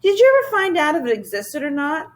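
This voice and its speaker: A gentle, warm mother who chides softly and kindly, played by a woman reading aloud. The voice sits fairly high with lively lifts in pitch. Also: brisk. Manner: gentle, soft-spoken.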